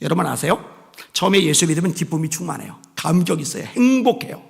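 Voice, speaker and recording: A man pastor preaching a sermon with impassioned swings between soft pleading and raised exhortation. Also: a little high, very animated, fast talker, vocal fry, long reverb tail.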